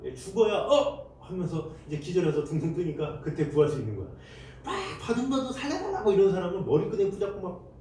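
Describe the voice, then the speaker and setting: A male pastor preaching a Sunday sermon, his pitch swinging widely as he acts out desperate prayers and cries. His voice is mellow and fairly high for a man. It rings through a very echoey church hall, picked up from a distant mic. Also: slight background noise. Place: church sanctuary.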